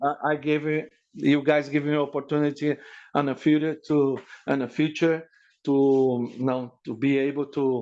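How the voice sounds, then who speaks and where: A man's fairly high voice with a Spanish accent, monotone and flat intonation, and moderate pace over a quiet background. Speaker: interpreter. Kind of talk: live interpreting in online meeting. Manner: halting.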